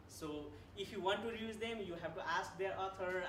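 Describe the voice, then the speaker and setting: A man's high voice at a moderate pace, with ordinary pitch variation, audible room echo and noticeable background noise. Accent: Nepali. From Nepal. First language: Nepali. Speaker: wiki community organizer. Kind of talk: speech at award event. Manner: halting.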